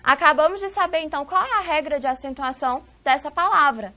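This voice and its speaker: A woman's voice: sits high, fairly quick, bright, forceful tone. A woman with a Brazilian Portuguese accent teaching a recorded video lesson, posing questions to the class and answering them herself. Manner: didactic, asks rhetorical questions and answers them.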